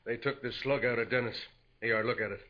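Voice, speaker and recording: An actor playing a gruff, sarcastic, streetwise American police sergeant with slangy speech in a 1940s radio drama. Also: male voice, mid-range voice, steady tone, fast, close to an everyday voice. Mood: matter-of-fact. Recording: dull 1940s radio recording.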